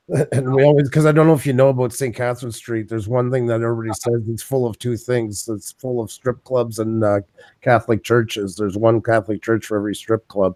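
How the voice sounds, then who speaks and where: In a dry, close sound with no echo, a man talks very fast at a medium pitch with a dark, mellow tone. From eastern Quebec. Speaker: coin collector. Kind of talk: casual chat.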